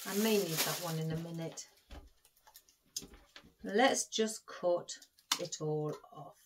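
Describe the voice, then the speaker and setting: A woman's voice: on the low side, slow pace, heavy background noise. A woman with a chatty manner, giving a craft tutorial and calling her viewers guys as she talks them through each step. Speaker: florist demonstrating an arrangement.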